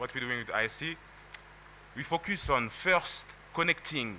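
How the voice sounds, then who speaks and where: Lively in intonation, a man talks at a moderate pace with a fairly high pitch. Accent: non-native. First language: not English. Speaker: cannabis organization executive. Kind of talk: conference speech. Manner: interactive, engaging audience.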